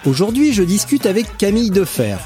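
Male podcast host, casual and friendly, a bit high-pitched. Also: big pitch swings, brisk, warm tone, soft background music. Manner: friendly, many hesitations and fillers.

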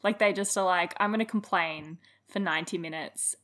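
A young woman co-hosting a podcast in casual chat, blunt and quick to laugh, with some acting training behind her. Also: on the low side. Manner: animated, laughing, blunt opinions. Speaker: podcast co-host.

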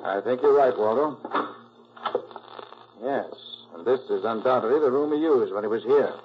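An actor playing a calm, shrewd, self-assured master detective in a 1940s radio drama, brisk and methodical. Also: male voice, medium pitch, natural voice. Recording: noisy, muffled 1940s radio recording.

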